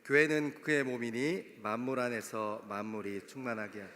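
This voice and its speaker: A man's voice: mid-range voice, steady tone, normal speed, bright, forceful tone. A young male pastor with a regional Korean dialect, preaching a sermon in a conversational way to a youth congregation. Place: church sanctuary. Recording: long hall reverb.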